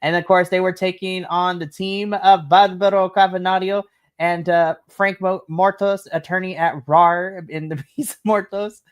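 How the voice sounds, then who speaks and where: A woman's voice: on the low side, steady tone, a little slow. A woman co-hosting a casual wrestling recap, chatty and enthusiastic, often breaking into giggles. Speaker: podcast co-host.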